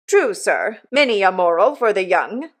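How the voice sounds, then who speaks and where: A woman's voice: medium pitch, sing-song, moderate pace. A woman voicing a pompous, preachy male church clerk who speaks in a sermonizing, self-important way.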